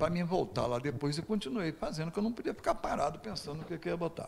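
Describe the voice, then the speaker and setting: This is a man speaking. His pitch is high. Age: 80s+. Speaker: retired TV sound effects artist. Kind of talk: interview.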